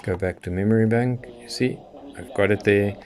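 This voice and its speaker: Fairly low-pitched and darkish in tone, the middle-aged man speaks at a moderate pace. He is a Southern African shortwave radio hobbyist giving an unscripted tutorial, methodically explaining every step of a hands-on demo.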